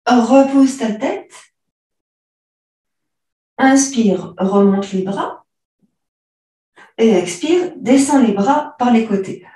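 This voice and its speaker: A woman yoga teacher guiding a class through postures, calmly cueing breath and movement step by step. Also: fairly high pitch, very slow, long pauses, recorded from a distance. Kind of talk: guided yoga class instruction. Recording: echoey room, voice from afar.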